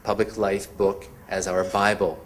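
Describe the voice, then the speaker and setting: Guy opening a lecture night, low voice, a bit of room hum behind. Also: flat delivery, measured pace. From Montreal. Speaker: event host introducing speakers. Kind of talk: event introduction.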